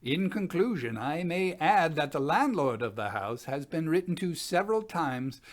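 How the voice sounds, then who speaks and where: Casting: man in his sixties as Edwardian ghost investigator, slightly high male voice, measured dramatic reading of a formal report. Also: very animated. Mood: formal, matter-of-fact. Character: Edwardian gentleman investigator chronicling a ghost hunt. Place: small home study.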